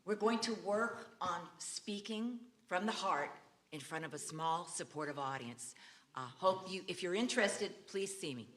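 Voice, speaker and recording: A woman's voice: fairly low pitch, lively intonation, moderate pace, background noise. A woman speaking informally as a workshop leader, heard faintly away from the microphone. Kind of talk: informal spoken announcement.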